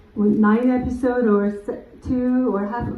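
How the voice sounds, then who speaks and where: A woman's high-pitched voice with fairly even intonation, audible room echo and noticeable background noise. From South Korea. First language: Korean. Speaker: lecturer. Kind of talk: lecture. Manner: halting, many fillers.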